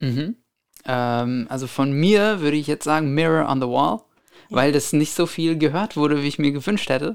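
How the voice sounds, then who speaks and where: The recording is very clean, with a silent background. A man speaks at a moderate pace and fairly high pitch with ordinary pitch variation. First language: Hungarian (speaking German). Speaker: singer-songwriter. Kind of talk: casual interview.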